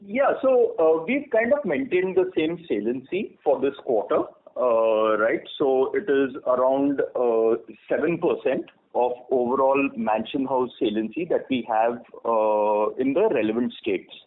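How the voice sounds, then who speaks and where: A man's voice: medium pitch, unhurried, few pauses. A man with an Indian accent answering questions as an executive on an earnings call, explaining things and often tagging phrases with "right?". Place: conference call. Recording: narrow-band phone conference line.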